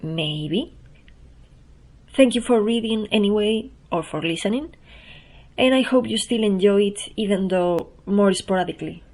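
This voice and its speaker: A soft-spoken Spanish woman with a medium-pitched voice talks slowly over a rough recording. She hosts a podcast and writes a newsletter, reading it aloud for a casual intro, and she's chatty and self-deprecating, laughing at herself along the way.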